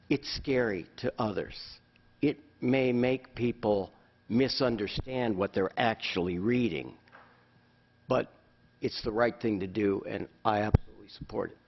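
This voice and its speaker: An earnest man on a city council, speaking in a fairly low voice and pausing as he searches for words. The recording is dull and lo-fi with a faint hiss behind it. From Los Angeles. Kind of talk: council meeting statement.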